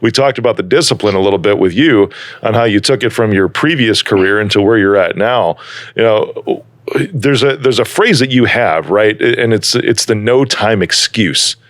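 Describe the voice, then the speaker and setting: A man's voice: fairly low pitch, moderate pace, a bit bright, no room sound, clean studio sound. A man from Chicago with a neutral American accent, hosting a podcast in a laid-back, jokey way. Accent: neutral American, trained away from Chicago. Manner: laid-back, jokey, calls people dude. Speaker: podcast host. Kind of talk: casual podcast chat.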